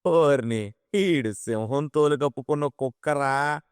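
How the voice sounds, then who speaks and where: A man's voice: medium pitch, measured pace, clean tone, dry recording, clean studio sound, natural voice. A man voicing an arrogant, drunk young male office bully in an audio drama, sneering, mocking and threatening.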